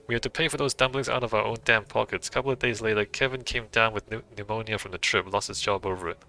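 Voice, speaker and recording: A man's voice: on the low side, fairly even intonation, fast, pushed and bright, slight background noise. A man voicing a weary, put-upon male hotel waiter who gossips in a confiding way.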